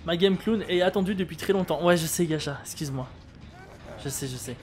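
A man's voice: on the high side, fairly quick. A French man streaming a game, chatting casually and reading his viewers' chat with wry humor. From France.

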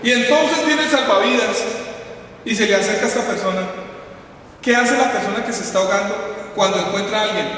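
A priest preaching a sermon, shouting at its peaks and then sinking low and quiet. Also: male voice, brisk, a little hiss or hum. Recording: echoey hall from far off.

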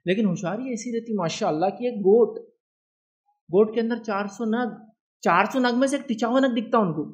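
This is a religious lecture on Islam from a man with a high voice speaking at normal speed in an Indian Hindi-Urdu accent. He keeps it conversational and often asks the audience, "do you understand?"

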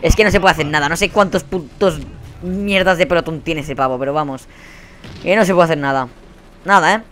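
A man's voice: fairly high pitch, brisk, fairly bright tone, slight background noise. A young man with a Spain Spanish accent giving heated gameplay commentary, swearing and ranting at other players. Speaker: gaming channel host. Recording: faint game gunfire behind.

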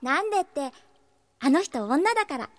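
A woman's voice: high-pitched, sing-song, normal speed. A woman playing a spirited young shop manager in a radio drama, girlish and frank with a wistful, admiring streak. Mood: emphatic. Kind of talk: Japanese radio drama acting.

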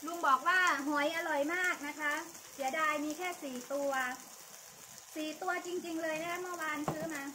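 A woman's voice: sits high, steady tone, moderate pace, pushed and bright. A middle-aged woman chatting casually to viewers outdoors as she eats. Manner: talking while eating. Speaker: vlogger. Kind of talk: casual chat to viewers over a meal. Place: outdoor patio at a meal table beside an electric grill. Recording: noisy outdoor recording with sizzling grill.

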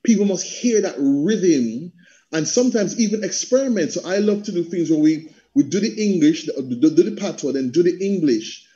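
A middle-aged Jamaican-accented man, a theatre practitioner and coach, speaks as a panel guest on a video call from a room at home. His talk is passionate, animated and rhythmic, slipping into patois, in a high-sitting voice at a moderate pace. The call audio sounds dull.

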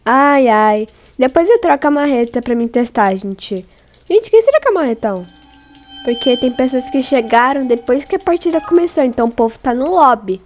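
This is a high-pitched woman giving casual gameplay commentary. She sounds congested from a cold. She chats to her viewers and squeals easily at scares. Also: normal speed, faint music behind. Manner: excitable, squeals and laughs when startled, talks to viewers. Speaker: gaming channel host.

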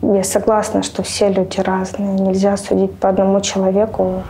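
Woman interviewee, gravelly mellow voice, flat halting delivery. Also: medium pitch, a little hiss or hum. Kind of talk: emotional testimony.

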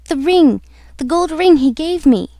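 Woman acting a distraught young opera singer, high-voiced. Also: lively intonation, normal speed, gravelly, a little mellow, no room sound, studio quality. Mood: frantic, pleading. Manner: dramatic, pleading, exclamatory. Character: distraught, fearful young female opera singer, earnest and devoted.

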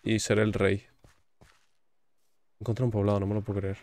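A man's voice: on the low side, little pitch movement, brisk, a little mellow. Jokey gamer man with a Spain Spanish accent. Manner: chatty and joking, reads game text aloud. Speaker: gaming YouTuber. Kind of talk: gaming commentary.

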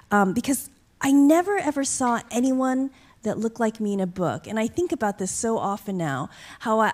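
Reflective middle-aged woman author on stage. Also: medium pitch. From upstate New York. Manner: reflective, earnest, animated when quoting others. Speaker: author guest. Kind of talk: onstage conversation. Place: stage with curtain backdrop, library event. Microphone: mic on a stand.

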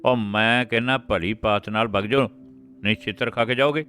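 A drunk, roaring middle-aged father, as a man puts him on in a storybook reading, louder and a bit higher than the reader's calm voice. He threatens in a harsh, shouting way. Soft instrumental music hums faintly behind. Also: moderate pace, smooth, close to an everyday voice. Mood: roaring threats.

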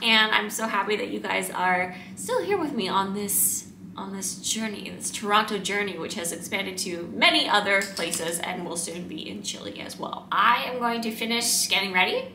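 A woman in her thirties chatting casually to viewers in a bubbly, excitable, girly manner, recorded at home. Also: medium pitch, moderate pace, vocal fry. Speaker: vlogger. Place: indoors at home, living room and kitchen. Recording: roomy echo, faint background noise.

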